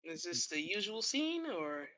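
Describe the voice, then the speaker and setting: A woman's voice: lowish voice, big pitch swings, measured pace, bright, forceful tone, poor audio. A woman playing in a tabletop game, speaking in a musing, hesitant way that trails off. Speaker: player. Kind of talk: tabletop role-play chat.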